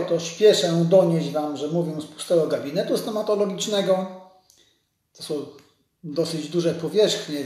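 A man's voice: fairly high pitch, a little mellow. A man hosting a casual live stream, chatting and greeting viewers by name from a large empty dental office with a heavy echo. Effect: heavy echo of a big empty room. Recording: strongly echoey empty room.

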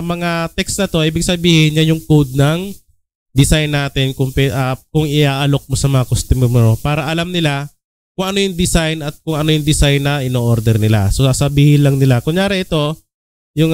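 A man's voice: a little high, clear, resonant tone. A young Filipino man hosting a casual design tutorial, talking at ease with many "ah" fillers and "okay?" check-ins. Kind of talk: casual screen-recorded tutorial.

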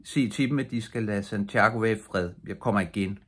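A man reading aloud voices a grieving young fishing boy, devoted and gentle, in an earnest, quiet way with a husky voice. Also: fairly low pitch.

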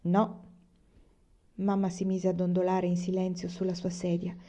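A woman narrating a novel aloud as an audiobook reader, steady and expressive. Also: lowish voice, brisk. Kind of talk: scripted narration.

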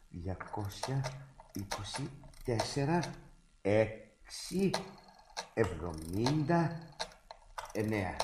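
A man playing a fussy, flustered bachelor brother in a comic radio play, excitable and husky. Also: slight background noise. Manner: excitable, jumps between high and low pitch. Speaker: brother caring for a foundling baby.

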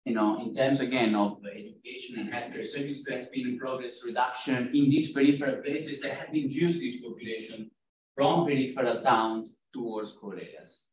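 A man's voice: mid-range voice, fairly even intonation, moderate pace, a little hiss or hum. A man in the audience offering a suggestion on someone's research. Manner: suggestive, advising. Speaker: audience member. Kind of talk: academic discussion comment. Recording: echoey, distant, dull room recording.

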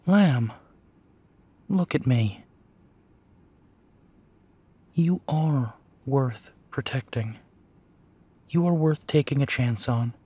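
An actor playing a gentle, protective male werewolf detective in an intimate audio roleplay, speaking softly and earnestly, with reassuring pauses. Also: mid-range voice, expressive, slightly rough. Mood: tender, reassuring. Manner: slow, soft, reassuring, with pauses and sighs. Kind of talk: intimate second-person audio drama roleplay.

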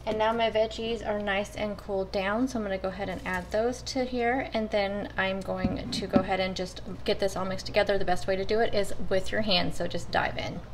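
A woman explains her meal prep step by step in a relaxed, friendly chat, talking straight to her viewers. Her voice sits at an ordinary middle pitch. A steady background noise runs under the home kitchen recording. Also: fairly quick, hardly any pauses. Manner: chatty, addresses viewers as you guys. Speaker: cooking vlogger. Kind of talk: casual step-by-step cooking talk.

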